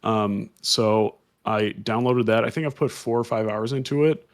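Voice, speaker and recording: Low-ish dude on a podcast, just rambling casually, lots of ums. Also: male voice, moderate pace. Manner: rambling, explanatory, filler-heavy. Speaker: podcast co-host. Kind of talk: casual chat.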